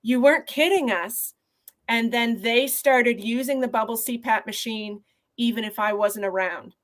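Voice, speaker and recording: A woman neonatologist from Canada answering interview questions over a video call in an earnest, measured way. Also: on the high side. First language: not Portuguese. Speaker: neonatologist guest.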